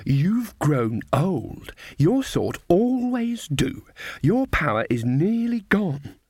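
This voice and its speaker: A man's voice: high-pitched, sing-song, a little mellow, husky, dry recording, clean studio sound, voice pushed up, exaggerated voice. Man voicing an imperious mirror woman. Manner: imperious, slow, gloating. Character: cold commanding woman in a mirror.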